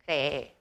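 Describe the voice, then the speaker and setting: A young woman teaching a grammar lesson to students in a chatty way, quizzing them with quick questions. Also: noisy background. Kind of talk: classroom lecture.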